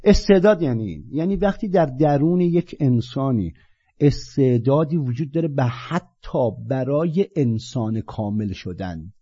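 A man giving an impassioned spiritual talk, swinging from low murmurs to loud, animated bursts. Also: husky. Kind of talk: impassioned monologue. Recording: dull lo-fi recording.

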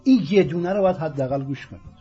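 A man from Iran with a Persian accent, hosting a political program as an emphatic, declamatory monologue in deliberate, repeated phrases. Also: a little high, expressive, warm tone. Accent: Persian (Iranian). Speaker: host of a political talk program. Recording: dull lo-fi audio with music underneath.

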